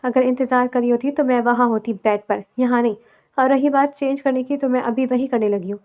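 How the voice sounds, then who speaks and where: A woman reading a story and voicing a defiant young bride who answers with quick, teasing retorts. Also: sits high, steady tone, a little mellow, close to an everyday voice. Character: sharp-tongued young bride, defiant and feisty.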